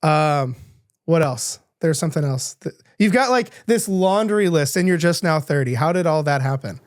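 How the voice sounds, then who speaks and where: A man's voice: fairly high pitch, animated, normal speed, no echo, clean studio sound. A man hosting a podcast interview, enthusiastic and rambling, with lots of restarts. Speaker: podcast host.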